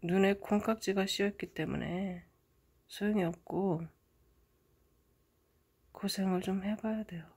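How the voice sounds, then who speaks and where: A middle-aged woman hosting her own channel, telling a story in a casual monologue and swinging dramatically from hushed murmurs to loud outbursts. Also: medium pitch, steady tone, unhurried, long pauses, breathy edge. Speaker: channel host interpreting a dream.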